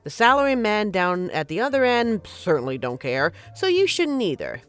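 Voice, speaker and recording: A woman's voice: mid-range voice, sing-song, moderate pace, faint music behind, lightly acted. A woman playing a flirty, teasing but caring bartender in an intimate, conversational audio roleplay. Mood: caring, wry. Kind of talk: intimate scripted roleplay, ASMR-like.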